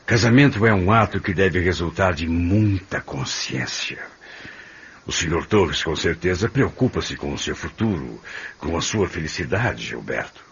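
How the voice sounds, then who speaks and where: An actor playing a grave, fatherly middle-aged man in a radio drama, speaking in a measured, deliberate way. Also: low-pitched, lively intonation, fairly bright tone, breathy edge, heavily acted. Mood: grave, advising. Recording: dull radio drama recording.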